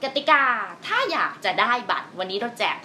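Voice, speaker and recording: Woman DJ, lively swinging pitch, bright promo read, faint studio noise. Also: a little fast. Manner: lively announcer delivery, playful. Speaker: radio DJ co-host.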